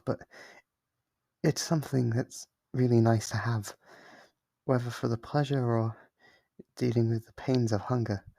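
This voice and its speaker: A man voicing a lonely, clingy sealed demon who is sweetly manipulative, in an ASMR roleplay with soft-spoken, wheedling talk. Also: medium pitch, gravelly, breathy edge, no echo. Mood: delighted.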